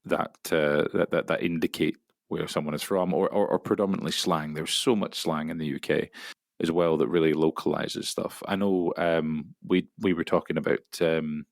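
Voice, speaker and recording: A man with a Scottish accent, a voice actor talking as a guest in a casual interview, explaining at length and often pausing to restart. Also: rumbling low, steady tone, creaky, no echo, clean studio sound. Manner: rambling, explanatory, halting with many restarts.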